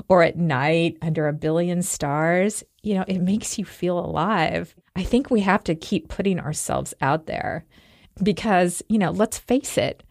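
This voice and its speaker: A woman's voice: lowish voice, gravelly, dry recording, clean studio sound. A woman co-hosting a podcast, chatting casually and telling stories with frequent laughter. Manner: laughs often, storytelling. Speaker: podcast co-host. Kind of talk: casual chat.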